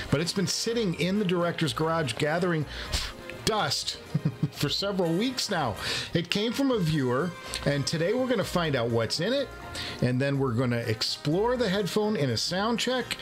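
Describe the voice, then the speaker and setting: A man hosting a headphone review show, chatting casually and excitedly to viewers, joking and repeating phrases for emphasis. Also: on the high side, moderate pace, faint music behind. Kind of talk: casual unboxing vlog talk to viewers.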